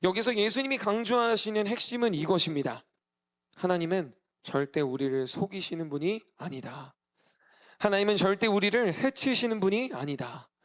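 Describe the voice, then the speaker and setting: A man's voice: sits high, a bit bright. A male pastor in his thirties giving a sermon, earnest and emphatic, repeating key phrases. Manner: earnest preaching with emphatic repetition.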